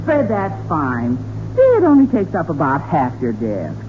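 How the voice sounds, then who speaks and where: A woman's voice: low-pitched, huge pitch swings, a little slow, a little mellow, slight background noise, full character voice. An actress playing a fussy, fluttery middle-aged wife and mother in 1940s radio sitcom style. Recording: tinny 1940s radio recording.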